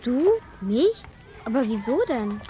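High-voiced, downtrodden schoolgirl. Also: animated, measured pace, mellow. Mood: bitter, dejected. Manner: bitter, self-deprecating. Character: downtrodden, self-loathing schoolgirl, withdrawn and pleading. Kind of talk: 1980s German children's radio play.

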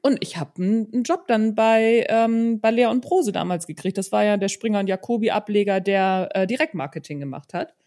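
A woman's voice: medium pitch, fairly quick, hardly any pauses, mellow. A middle-aged woman hosting a conversational interview, speaking in an easy chatty way and often tagging little questions onto her sentences. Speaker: podcast host and non-fiction author. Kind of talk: casual conversational chat.

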